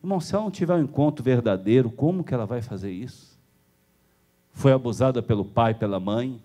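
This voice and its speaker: A man with a Brazilian Portuguese accent preaching a sermon in a church, telling stories with chuckles and voice jumping high when excited. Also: brisk. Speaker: pastor.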